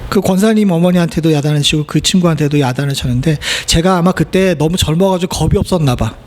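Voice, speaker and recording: A man's voice: a little high, fast talker, a little hiss or hum. A middle-aged male pastor giving a sermon in a church, preaching conversationally and asking the congregation rhetorical questions. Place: church sanctuary.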